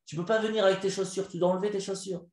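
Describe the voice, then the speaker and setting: A man's voice: high-pitched, steady tone, very fast, pitched above the performer's own voice, close to an everyday voice. Storybook God, male, firm and patient, a man telling the tale puts him on, tenor register, echoey room.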